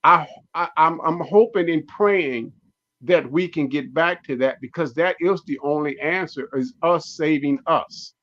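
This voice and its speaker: An older man in his sixties talks forcefully and repeats his points as he makes an argument. His voice sits a touch high for a man. The sound is dull and lo-fi. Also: measured pace. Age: 60s. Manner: emphatic, preachy, repeats phrases. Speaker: guest comedian and actor. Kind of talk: casual radio talk show discussion.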